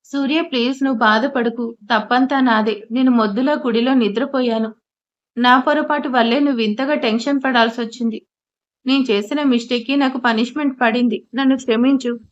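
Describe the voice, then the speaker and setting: A woman's voice: on the high side, steady tone, a little fast, close to an everyday voice. A woman voicing a hurt young wife who speaks reproachfully through tears. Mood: remorseful. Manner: reproachful, tearful. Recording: dull lo-fi audio.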